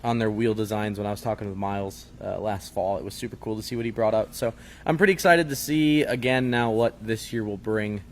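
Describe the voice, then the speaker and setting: A man's voice: on the low side, a little hiss or hum. A man co-hosting a live show, easygoing and joking, reading out viewer questions. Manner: easygoing, joking, quick asides. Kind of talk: casual chat.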